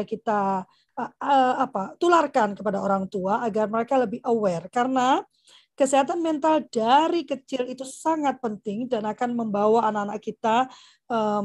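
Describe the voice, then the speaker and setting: A woman hosting an online parenting session, talking casually and warmly to a group, dropping English phrases and "gitu ya" fillers often. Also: on the high side, no room sound, studio quality. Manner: chatty, frequent "gitu ya" fillers, laughs often; mixes English phrases into speech. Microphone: video call.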